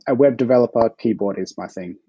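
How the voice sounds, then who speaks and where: A man's voice: medium pitch, quick pace, mellow, husky, no room sound, muffled recording. An Australian man being interviewed as a guest author, answering in a laid-back way with frequent chuckles.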